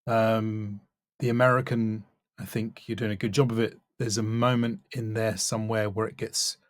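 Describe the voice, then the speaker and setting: Low-voiced man giving measured critique. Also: level tone, dry recording, studio quality. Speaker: voice-over coach reviewing demo reels. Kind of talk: spoken critique, casual instruction.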